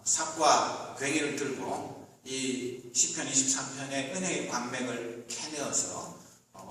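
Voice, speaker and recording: A man in his fifties, a pastor delivering a measured Sunday sermon with frequent hesitant fillers. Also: fairly high pitch, pushed and bright, recorded from a distance, slight background noise. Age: 50s. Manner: measured preaching with hesitant fillers, rising for emphasis. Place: church sanctuary. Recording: echoey hall, recorded from afar.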